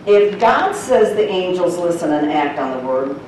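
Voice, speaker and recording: A woman's voice: lowish voice, very animated, moderate pace, darkish tone, a little hiss or hum. A woman teaching the Bible to a church congregation in a folksy, chatty way, laughing often. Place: church sanctuary. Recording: echoey church hall from far off.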